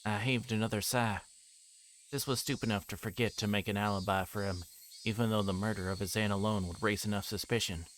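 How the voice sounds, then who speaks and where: A low-pitched man reads a visual novel aloud for a livestream. He moves between reciting text and rambling casual commentary, thinking out loud. There is noise behind him, with chirping insect ambience. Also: fairly even intonation, a little fast.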